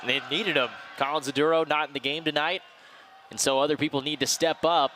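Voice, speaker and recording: A man's voice: on the high side, steady tone, a little fast, sharp tone, some chatter behind. A man giving analytical sports commentary as the color commentator. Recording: faint ambient outdoor noise behind.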